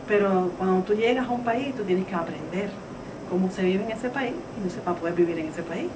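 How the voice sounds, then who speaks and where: A woman's voice: medium pitch, fast. A woman from Cuba explains steadily and earnestly how hard it is to adapt to a new country. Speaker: interviewee. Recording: distant mic with background noise.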